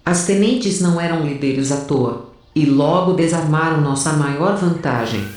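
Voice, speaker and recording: A woman playing a wary, resolute soldier who narrates a mission gravely in an audio drama. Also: low-pitched, a little slow, noisy background. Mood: grave, measured. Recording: very echoey, distant from mic.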